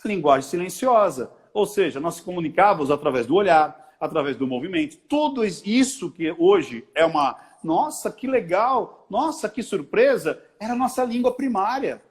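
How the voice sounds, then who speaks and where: Brazilian man, body-language expert, chatty interview explainer who slips into quoted bits; fairly high-pitched, swooping voice. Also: brisk, few pauses. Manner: animated, acts out little quoted dialogues.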